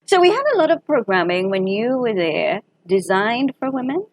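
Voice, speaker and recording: A woman's voice: fairly high pitch, very animated, moderate pace. A woman hosting an interview, asking questions in a casual way. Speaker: interviewer, host.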